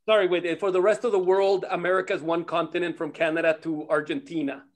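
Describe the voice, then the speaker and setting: A man from Costa Rica with a fairly high voice talks casually and tells stories. He is a native Spanish speaker who wanders into tangents in an animated way, with some swearing. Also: fast. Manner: animated, swears freely, digressive. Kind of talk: casual chat, storytelling.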